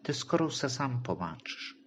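A man voicing a tender, reassuring guardian angel in a Christian audio story, speaking calmly and comfortingly. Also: mid-range voice, normal speed, a little hiss or hum, natural voice. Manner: calm, comforting.

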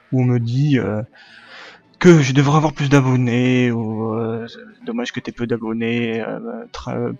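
A man's voice: mid-range voice, vocal fry, darkish tone, no echo. Rambling man in casual gaming vlog. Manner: rambling, frequent filler and self-corrections. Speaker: gaming video channel host. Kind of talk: casual chat to camera. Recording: dull lo-fi with faint music.

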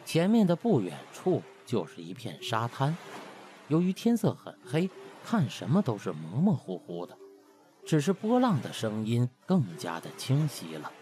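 A man's voice: medium pitch, wildly swooping pitch, moderate pace, warm tone, slight background noise. A man narrating a comic audiobook in a colloquial, theatrical storytelling manner. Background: music.

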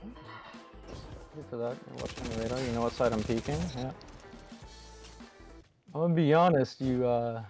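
Young guy coaching over voice chat, chill and encouraging, soft music behind. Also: medium pitch, steady tone, normal speed, long pauses. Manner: friendly, encouraging, laughs easily. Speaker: game coach.

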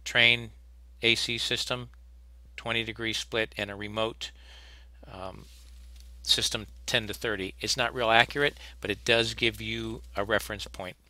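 A man's voice: fairly low pitch, steady tone, a little slow, sharp tone, dry recording. A man teaching HVAC technicians in a recorded slide lecture, plainspoken and practical, often restarting his sentences. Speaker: HVAC instructor.

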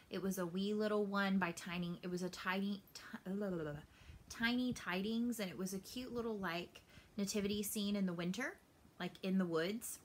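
A woman's voice: mid-range voice, a bit bright. A woman in her late thirties chatting casually to camera about her stitching hobby, rambling and gesturing as she talks, seated in a small room at home. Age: 30s. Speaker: cross-stitch vlogger. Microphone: camera in front, upper-body framing.

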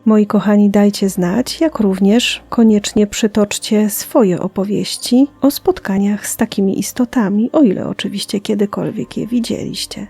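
A woman podcast host telling listener stories in a soft, half-whispered storytelling voice. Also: medium pitch, normal speed, gravelly, hardly any pauses, husky, faint music behind. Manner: hushed, half-whispered delivery.

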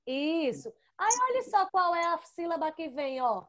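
A woman's voice: very high voice, animated, a bit bright. A woman teaching an online class to young children, patient and coaxing. She uses lots of diminutives and checks in often. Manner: fond of diminutives, spells out syllables slowly. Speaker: first-grade teacher. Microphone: computer microphone, with headphones.

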